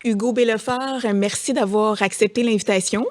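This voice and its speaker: A woman's voice: a little high, steady tone, moderate pace, music in the background. A woman in her forties with a Quebec French accent, hosting a casual interview podcast in a studio, teasing her guest and talking with many fillers. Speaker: podcast host.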